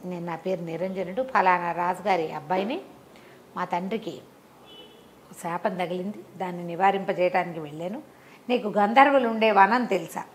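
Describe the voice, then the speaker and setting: A woman's voice: fairly low pitch, moderate pace, slight background noise, close to an everyday voice. A woman storyteller voicing a determined young prince, speaking plainly and earnestly. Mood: earnest resolve. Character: determined young prince seeking his father's cure.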